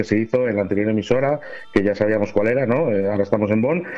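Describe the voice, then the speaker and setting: Man of medium pitch at a very fast pace, with ordinary pitch variation. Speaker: radio presenter. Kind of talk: interview.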